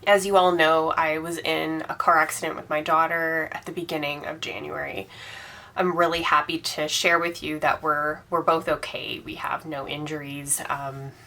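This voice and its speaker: A woman's voice: low voice, level tone, moderate pace, sharp tone. Congested woman chatting enthusiastically. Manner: chatty and enthusiastic, with frequent ums. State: congested from a cold, slightly sore throat. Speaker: tarot channel host. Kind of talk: casual monthly wrap-up vlog.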